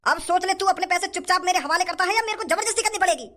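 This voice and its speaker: A man's voice: extremely high pitch, racing, bright, forceful tone. A man voicing a blustering male street goon who threatens to rob someone. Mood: menacing.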